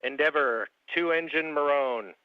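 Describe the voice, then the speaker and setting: A man at mission control giving calm, clipped calls over a muffled space radio link that breaks up. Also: on the high side, unhurried. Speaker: mission control capsule communicator. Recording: dull lo-fi radio with hiss.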